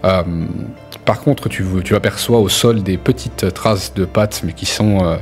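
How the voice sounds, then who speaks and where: Lowish-voiced male game master over music. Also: fairly even intonation, a little slow. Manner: hesitant, descriptive, addressing players directly. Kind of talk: improvised narration of a tabletop roleplaying game. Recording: music playing under the voice.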